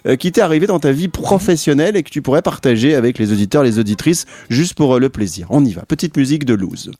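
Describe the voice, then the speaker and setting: A man's voice: mid-range voice, lively intonation, quick pace, dark tone, no echo. A man hosting a radio show, presenting a guest in loose, jokey patter at a studio mic. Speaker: radio host. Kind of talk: casual radio chat. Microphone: studio microphone.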